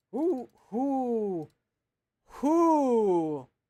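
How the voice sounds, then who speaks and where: The speaker uses a put-on character voice that swings very widely in pitch. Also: female-sounding voice, high pitch for a woman. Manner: hooting.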